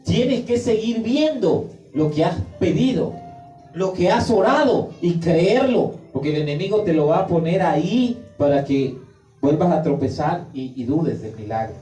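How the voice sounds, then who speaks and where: A man's voice: fairly high pitch, animated, a little slow, mellow. A man preaching a sermon in an emphatic way, acting out the prayers he quotes. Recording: roomy echo, distant mic, faint music.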